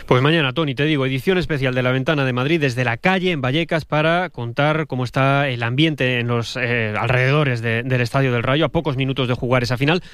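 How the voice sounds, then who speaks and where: A man hosts a radio show in a relaxed conversational way, pausing now and then. The sound is clean, smooth and dry, close to the studio mic. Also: mid-range voice, no echo. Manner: conversational, with hesitations. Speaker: radio host.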